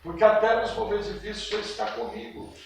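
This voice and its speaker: A man's voice: sits high, steady tone, fast talker, vocal fry, a little mellow, slight background noise. A man teaching a Bible class in a conversational way, asking the class questions and acting out little scenes. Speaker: Bible school teacher and preacher. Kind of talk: Sunday school teaching with class discussion. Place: church hall. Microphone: distant room mic. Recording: very echoey hall, voice from far off.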